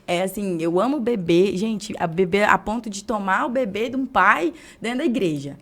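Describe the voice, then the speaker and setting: A young Brazilian woman hosts a podcast interview in casual chat, with a Brazilian Portuguese accent. She tells anecdotes animatedly, acting out the people in them. Her voice sits at an ordinary middle pitch. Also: normal speed. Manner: animated storyteller, acts out dialogue. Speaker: podcast host.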